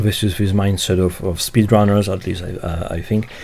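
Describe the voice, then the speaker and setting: A man's fairly low voice with a Polish accent, at a moderate pace, music in the background. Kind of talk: casual solo podcast monologue. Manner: hesitant, many fillers.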